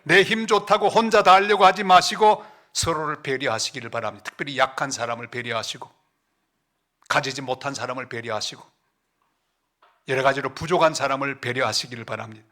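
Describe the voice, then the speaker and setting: A middle-aged pastor with a Gyeongsang accent preaching a sermon in a church, storytelling with big swings and sudden hushed, slow asides. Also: male voice, mid-range voice. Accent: Gyeongsang Korean. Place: church sanctuary.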